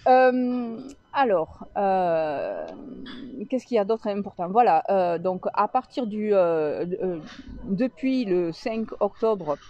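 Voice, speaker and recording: A woman organizing a local public meeting, speaking hesitantly in an interview with many filler pauses. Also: medium pitch, animated, highs cut off. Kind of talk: radio interview.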